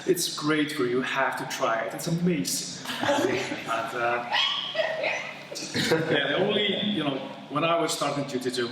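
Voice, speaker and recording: A man doing stand-up for the first time, animated, putting on excited voices for his jokes. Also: mid-range voice, moderate pace, long pauses. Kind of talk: stand-up set. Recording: echoey hall, distant mic, noise.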